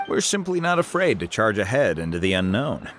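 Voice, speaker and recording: Deep-voiced, animated tribal chief. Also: male voice, brisk, noisy background. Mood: reassuring. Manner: composed, explanatory, formal. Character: reassuring, thoughtful male tribal chief. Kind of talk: video game character dialogue.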